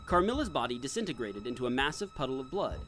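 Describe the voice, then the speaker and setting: Animated man narrating an audio drama. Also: mid-range voice, fast, faint music behind.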